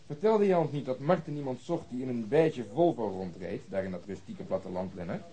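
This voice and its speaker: An actor playing a bossy, sarcastic police detective in a radio play, blunt and coarse in manner. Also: male voice, mid-range voice, animated, fairly quick, dark tone, breathy edge.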